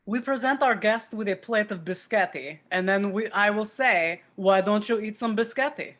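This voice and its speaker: Woman playing a smug deadpan male vampire. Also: medium pitch, moderate pace, lightly acted. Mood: smug, teasing. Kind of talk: table read of a film script. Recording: home video call.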